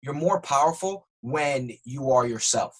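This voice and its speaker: A man being interviewed as a podcast guest, talking earnestly and growing animated when excited. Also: medium pitch, a little slow. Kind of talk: conversational interview.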